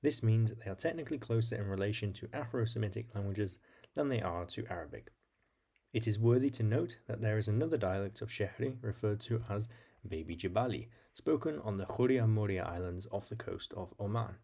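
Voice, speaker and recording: Low-pitched man narrating an explainer. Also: a little fast, creaky, a little mellow. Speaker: video host. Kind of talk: scripted educational narration.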